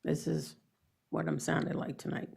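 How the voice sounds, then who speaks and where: Congested low gravelly woman chairing. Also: flat delivery, normal speed, darkish tone. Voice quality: husky, gravelly voice. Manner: polite, procedural, apologetic. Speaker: school board president chairing a meeting. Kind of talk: chairing a public meeting. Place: public board meeting room.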